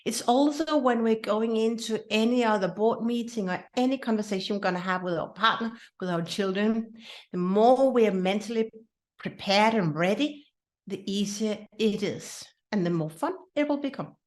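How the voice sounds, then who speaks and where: A woman's voice: medium pitch, moderate pace, darkish tone. A woman from Denmark with a Danish accent, whose first language is Danish, hosting her own podcast in an earnest, personal way with many restarts. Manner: earnest, with frequent restarts and repetitions. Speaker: podcast host. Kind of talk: casual solo podcast talk.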